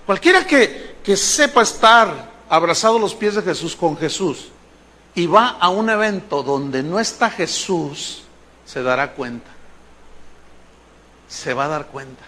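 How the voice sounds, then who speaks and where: A pastor preaching with lively storytelling and acting out the voices of the people in his anecdote. His voice sits high and rings bright. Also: measured pace. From Mexico. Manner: animated storytelling, mimics voices in quoted dialogue. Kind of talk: sermon with acted-out anecdote.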